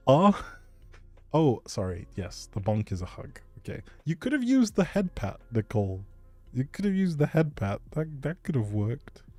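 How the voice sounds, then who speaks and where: Slightly high-pitched yet darkish, this man's voice swings widely in pitch and moves a little slowly, with no echo. He hosts a casual gaming livestream, chatting hesitantly and rambling as he responds to viewers, often trailing off, over background music.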